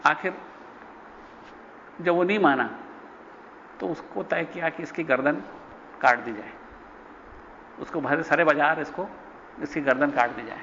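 A man with a fairly high voice gives a spiritual lecture in a hall with a long reverb. He tells a story, acting out the quoted lines with jumps in pitch. The recording is dull and lo-fi, with faint hiss. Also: measured pace, long pauses, bright, forceful tone. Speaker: spiritual teacher. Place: ashram hall.

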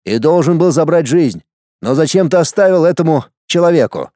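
A man's voice: on the high side, lively intonation, fairly quick, dark tone, dry recording, clean studio sound, lightly acted. A man voicing a tribal chief who speaks in an offhand, shrugging way.

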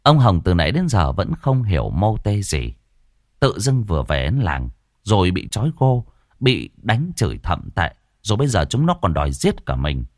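Animated male storyteller with a low voice. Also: normal speed, dry recording, clean studio sound. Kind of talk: ghost story narration.

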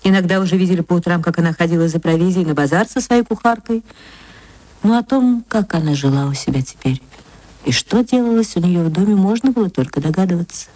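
Woman narrator reading a classic story, slow and measured, old radio tape. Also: lowish voice, warm tone, no echo, low-quality recording. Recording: archival radio recording.

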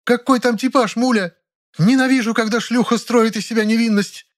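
A man voicing a temperamental, sharp-tongued older actress in an audiobook, scolding and indignant. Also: high voice, fairly quick, pitched above the performer's own voice, close to an everyday voice. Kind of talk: audiobook character voice.

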